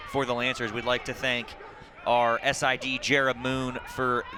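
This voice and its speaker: A man calls a soccer match live on TV in a mid-range voice, keeping his pitch fairly flat and his pace measured as he alternates quick clipped calls with statistical recaps. The outdoor broadcast is clearly noisy, with crowd ambience and general outdoor sound behind him.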